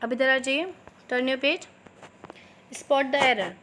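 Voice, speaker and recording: A woman teacher with an Indian accent, giving a lesson by mixing Hindi and English, dictating answers slowly and spelling words out letter by letter. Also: high voice, steady tone, background noise. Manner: addresses students affectionately as beta. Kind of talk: online class lesson, Hindi-English mix.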